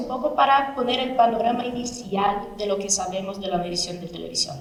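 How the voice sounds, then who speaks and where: Audible room echo and noticeable background noise surround a woman talking at a fairly quick pace. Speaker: market research executive, conference speaker. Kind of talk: conference keynote. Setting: stage with audience.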